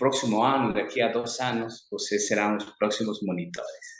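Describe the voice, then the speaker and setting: With ordinary pitch variation and a moderate pace, this man's voice carries audible room echo. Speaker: church service leader. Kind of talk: church service, thanksgiving and prayer requests. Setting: online church service.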